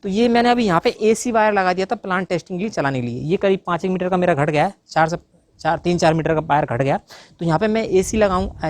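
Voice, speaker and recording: Fast-talking man explaining solar wiring. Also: high voice, a little hiss or hum. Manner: rapid, talks to viewers directly, frequent fillers. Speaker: YouTube tutor on solar installation.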